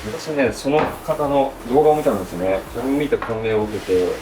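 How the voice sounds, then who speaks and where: A man's voice: mid-range voice, animated, normal speed. A man, a sushi chef, politely explaining his kitchen work in a matter-of-fact way while he works. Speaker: sushi restaurant owner-chef. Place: restaurant kitchen during prep. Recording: roomy kitchen, distant mic, clear working noise.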